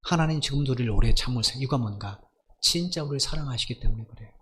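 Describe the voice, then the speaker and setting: A male pastor delivers a Sunday sermon at a medium pitch. He stresses key points with emphasis and keeps turning to the congregation with rhetorical questions. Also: animated, quick pace, fairly bright tone, a little hiss or hum.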